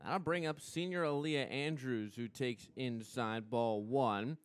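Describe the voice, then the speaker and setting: A young American man doing live radio play-by-play commentary of a softball game as the announcer. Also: medium pitch, clean tone. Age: young adult. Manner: measured between plays, excited on big plays.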